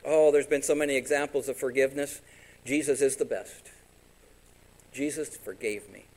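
A man preaching a sermon as pastor, animated and direct, sometimes voicing imagined congregants. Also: medium pitch, moderate pace, rough recording.

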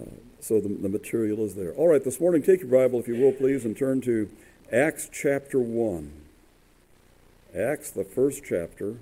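A man preaching a sermon in a church, his voice rough, often halting with fillers and restarts. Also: lowish voice, warm tone, rough recording. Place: church sanctuary.

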